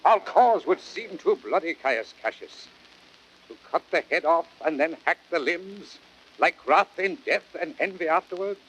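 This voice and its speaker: A man playing a grave, high-minded Roman nobleman, speaking in a solemn, measured, oratorical Shakespearean style. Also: expressive, fairly bright tone, breathy edge, heavily acted, poor audio. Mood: earnest, resolute. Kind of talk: classic Shakespearean radio acting, oratorical. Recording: hissy old audiodrama record.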